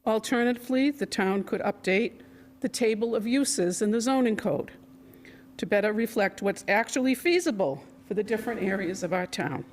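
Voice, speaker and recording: Resident woman, loud and firm at the podium mic, faint room hum behind. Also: medium pitch, normal speed. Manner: loud, reads quotes from a report. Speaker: resident speaking at public comment. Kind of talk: prepared public comment. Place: town council chambers.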